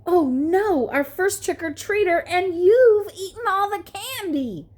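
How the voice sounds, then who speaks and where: A woman's voice: expressive, unhurried, a little mellow. A woman voicing an anxious male pig inventor in a storybook, with a fretful, breath-catching delivery. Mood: frightened. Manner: high, gasping, fretful delivery.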